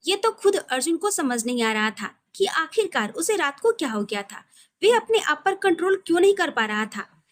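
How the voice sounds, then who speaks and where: A woman's voice: sits high, very animated, normal speed. A woman storyteller reading a scripted romantic story.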